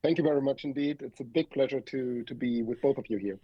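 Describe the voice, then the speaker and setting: Male academic guest, German accent and native German, husky voice, measured explainer delivery, lo-fi dry remote line. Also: mid-range voice, no room sound. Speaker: guest academic expert, professor. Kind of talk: explanatory interview talk. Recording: dull, lo-fi remote connection.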